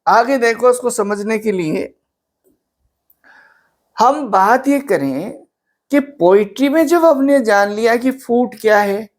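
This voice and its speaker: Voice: medium pitch, animated, slow, pauses often. An English literature teacher giving an exam-prep lecture, patiently counting syllables aloud, asking rhetorical questions and mixing English terms into the explanation.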